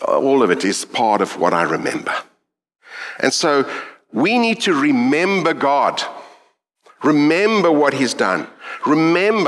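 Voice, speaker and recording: A middle-aged man with a South African accent delivers a sermon. He speaks earnestly and reflectively, pausing to think. His pitch swings widely across phrases. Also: a bit bright. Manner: reflective, earnest, with thoughtful pauses. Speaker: preacher.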